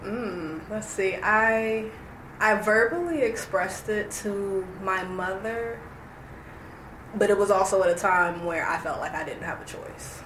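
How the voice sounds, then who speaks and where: A young woman from Roanoke, Virginia, looks back on her early life in an oral history interview, sounding reflective and hesitant with many fillers. Her medium-pitched, slightly bright voice moves unhurriedly, recorded in an echoey, noisy room.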